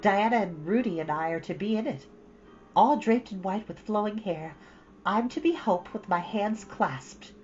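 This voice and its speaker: A woman's voice: medium pitch, normal speed, a little mellow, lo-fi sound, faint music behind, voice pushed up, close to an everyday voice. A woman voicing an eager, dramatic young girl from a storybook, gushing breathlessly and theatrically. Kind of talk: storybook character voice.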